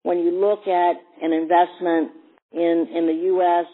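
Male executive on an investor call, notably high voice, stop-start phrasing, narrow telephone audio. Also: level tone. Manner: halting, often repeats words. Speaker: company executive. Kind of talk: earnings call presentation and answers. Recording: tinny narrow phone-line sound.

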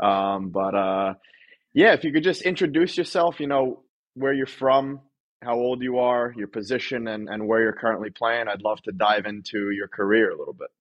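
A man's voice: on the low side, moderate pace, dull audio. A man hosting a podcast interview, asking rambling questions with lots of fillers and restarts. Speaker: podcast host.

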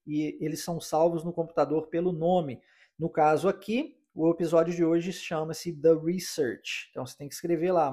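A Brazilian man hosting a podcast English lesson, explaining in Portuguese and slowly repeating English phrases to practise. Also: fairly high pitch, dark tone. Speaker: English teacher and podcast host.

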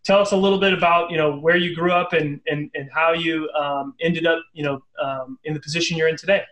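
A man hosts a business interview show in an upbeat, casual way. His voice sits a bit high, and he often repeats words and says "um" as he frames his questions. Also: steady tone, brisk, a bit bright, poor audio. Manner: upbeat, many fillers and repeats. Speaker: podcast host.

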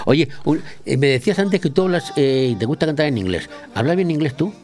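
A man's voice: on the high side, expressive, moderate pace. A Spanish man hosting a radio show in a studio, joking and teasing his guest. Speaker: radio host. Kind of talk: radio chat interview.

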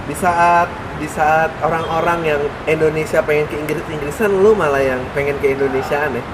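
A man's voice: a little high, steady tone, moderate pace. Chatty male interviewer, street noise. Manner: chatty, laughs often. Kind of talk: casual interview chat. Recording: outdoor recording with traffic noise.

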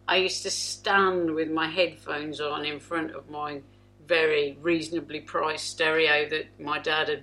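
A woman's voice: sits low, a bit bright, poor audio. A woman with a Black Country accent, a musician chatting casually and jokingly as a podcast guest. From England. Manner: jokey and chatty. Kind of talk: casual chat.

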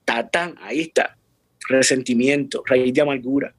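A man's voice: mid-range voice, normal speed, slightly rough, no room sound. A man giving an earnest Christian testimony, often repeating and restarting words and dropping English words into his Spanish. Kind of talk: personal faith testimony.

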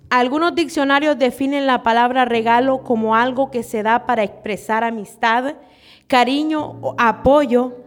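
A woman in her twenties from Honduras, giving an earnest, slightly nervous sermon and prayer in a church. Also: fairly high pitch. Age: 20s. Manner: earnest, a little nervous, frequent "¿verdad?". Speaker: church speaker.

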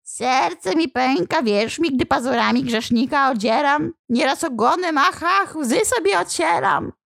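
A woman voicing a cunning male demon who whines and pleads in a squealing high voice. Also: lively intonation, a little slow, gravelly, a bit bright, no room sound, studio quality, full character voice. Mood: mock-pitiful.

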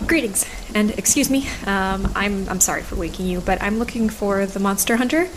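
A woman acts out an earnest temple sister in an audio drama, direct and businesslike. Her voice is medium in pitch and politely formal, with faint ambience behind it. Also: moderate pace, slight background noise, natural voice, poor audio.

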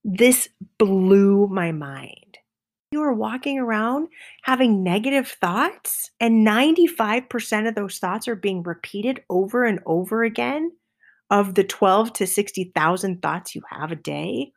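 A middle-aged woman hosting a motivational podcast, enthusiastic, sometimes dropping to a soft whisper for emphasis. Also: medium pitch, expressive, unhurried. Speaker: podcast host.

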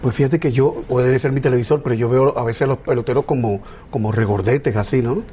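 A man hosting a TV interview show, asking quick, probing follow-up questions. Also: mid-range voice, steady tone, warm tone, slight background noise. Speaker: TV talk show host.

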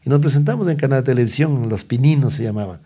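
A man's voice: mid-range voice, fast talker, mellow, breathy edge. A middle-aged man, telling stories as an interview guest, rambling with many restarts. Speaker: guest musician. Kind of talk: storytelling interview.

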